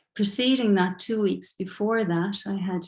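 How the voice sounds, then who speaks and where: With a somewhat breathy, medium-pitched voice, a woman speaks at a fairly slow pace and fairly even intonation. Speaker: spiritual teacher. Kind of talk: interview conversation.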